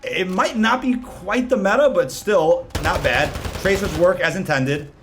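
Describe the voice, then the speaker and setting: A man's voice: sits high, unhurried, music in the background. A man hosting a gaming video with casual, slangy gameplay commentary. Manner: slangy, informal.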